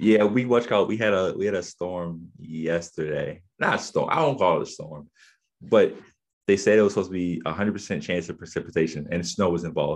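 Against a quiet background, a man with an unremarkable speaking voice and fairly low pitch talks at a fairly quick pace. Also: ordinary pitch variation. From Eastern Shore, US. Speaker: podcast host. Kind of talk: casual chat.

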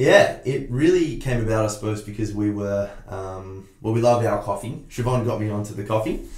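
A man speaks with hardly any pauses at a fairly low pitch with ordinary pitch variation. His voice is somewhat breathy. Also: moderate pace. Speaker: podcast host. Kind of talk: casual chat, intro and outro.

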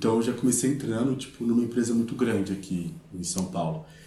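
Audible room echo surrounds a man as he talks. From Brazil, Minas Gerais (Contagem). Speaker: coffee specialist. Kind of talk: interview.

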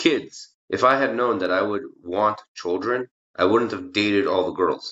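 This is a man speaking. He has a New York accent. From New York (Crown Heights, Brooklyn). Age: 30s. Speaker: podcast guest, religious convert. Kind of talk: interview.

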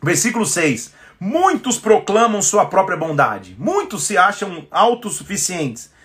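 An animated tone with lively intonation. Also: man, high pitch for a man, fairly slow pace. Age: 40s. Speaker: pastor. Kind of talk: livestream Bible study. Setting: livestream.

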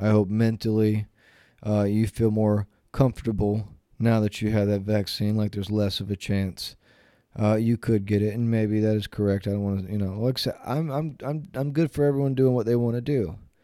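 A man with an American accent, dark and mellow in tone with fairly even intonation, on a very clean recording with a silent background. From North Carolina. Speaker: solo podcaster. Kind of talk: casual monologue. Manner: rambling with many fillers; loud, ranting at end.

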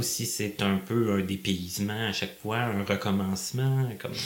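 The speaker has a Quebec accent. The pace is fairly slow. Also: man. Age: 40s. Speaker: podcast host. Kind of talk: interview.

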